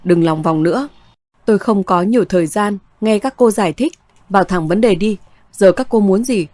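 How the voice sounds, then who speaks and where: A woman's voice: mid-range voice, normal speed, a little mellow, lightly acted. A woman voicing a scheming, ruthless young woman who speaks in curt commands, in a read-aloud story.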